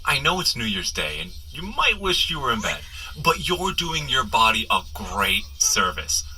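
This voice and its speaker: A man's voice: mid-range voice, sing-song, moderate pace, pushed and bright, faint music behind, rough recording. A man playing a bumbling, good-hearted superhero in a comedy audio drama, coaching the listener with nervous, apologetic, rambling chatter. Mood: nervous, encouraging. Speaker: actor playing a superhero guide.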